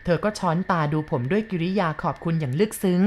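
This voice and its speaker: Female audiobook narrator, lower-pitched, steady reading pace, faint hiss behind. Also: fast talker. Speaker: storyteller. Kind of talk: audiobook narration of a first-person tale.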